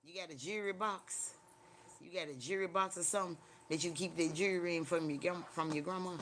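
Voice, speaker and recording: A man's voice: high voice, steady tone, fast talker, noisy background. A middle-aged man with a Southern African American Mississippi accent, chatting casually on a livestream in a rambling, blunt, profane country way. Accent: Southern African American English, Mississippi. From Mississippi, USA.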